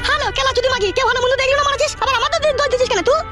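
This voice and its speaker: A woman playing a sharp-tongued, crude village scold in a comedy cartoon, with a sped-up, pitched-up voice. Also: steady tone, racing. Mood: crude, exasperated. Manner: nagging, combative, crude. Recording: music behind the voice.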